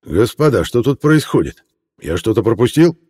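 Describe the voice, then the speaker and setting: A man's voice: mid-range voice, big pitch swings, normal speed, a little mellow, husky, pitched above the performer's own voice. A man voicing a haughty judge who speaks with clipped disdain. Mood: puzzled.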